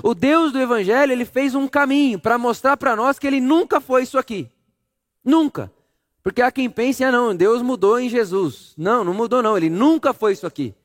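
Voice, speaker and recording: A man preaching a sermon, telling the story dramatically, dropping to a hush and rising again as he acts out scenes. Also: very high voice, animated, a little fast. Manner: dramatic storytelling, acting out scenes with hushed and raised voice.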